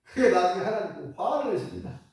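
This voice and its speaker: A male pastor preaches with animated storytelling. His voice sits high and swings widely in pitch. A heavy church echo surrounds him, picked up from a distant mic. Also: fast. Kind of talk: sermon. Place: church sanctuary.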